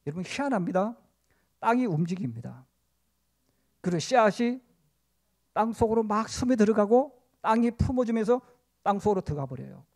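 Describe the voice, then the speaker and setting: A man's voice: high-pitched, sing-song, moderate pace, pauses often, a little mellow. A middle-aged male pastor preaching a sermon with fervor, acting out prayers of repentance and God's rebukes in direct address.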